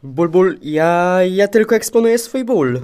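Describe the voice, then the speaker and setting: A man's voice: high voice, expressive, measured pace, a little mellow. A man voicing a whiny, grumbling, vengeful male blood cell in an audio story, with melodramatic complaints. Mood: mock pain.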